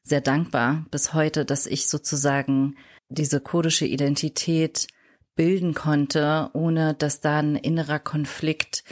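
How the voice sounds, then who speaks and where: Reflecting on her life as a guest on a podcast interview, a woman raised in Germany frequently stops to find the right words. She speaks in a low voice and delivers it flatly.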